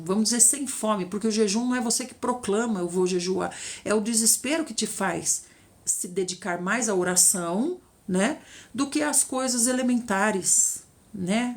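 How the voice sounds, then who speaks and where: A woman's voice: medium pitch, vocal fry. A middle-aged woman with a Brazilian Portuguese accent leading an informal Bible study, retelling the story in a chatty way and often checking in with her listeners. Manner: chatty storytelling, tag questions, lively retelling. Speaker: Bible teacher.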